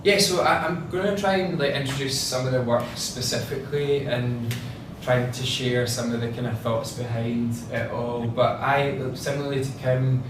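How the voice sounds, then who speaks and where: A man's voice: mid-range voice, steady tone. Scottish guy w/ strong accent, informal gallery talk, kinda stop-start, super echoey with background noise. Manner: chatty, halting, often repeats words. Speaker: gallery curator co-presenting an exhibition tour. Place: indoor gallery space. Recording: very echoey room, distant mic, noisy.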